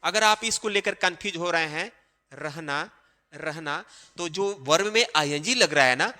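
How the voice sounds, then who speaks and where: Man teaching grammar slowly. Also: a little high, expressive, sharp tone, in a large hall. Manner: explains step by step, drawing out English words slowly; keeps checking in with the viewer. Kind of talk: grammar lesson.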